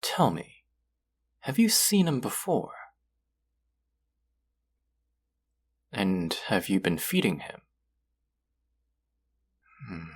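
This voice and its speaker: An actor playing a stern, haughty god of the underworld in an audio roleplay, speaking formally with an exasperated, grudging manner. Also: male voice, sits low, husky, exaggerated voice. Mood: suspicious, curious. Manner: imperious, exasperated, formal speech with sighs. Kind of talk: scripted character audio roleplay.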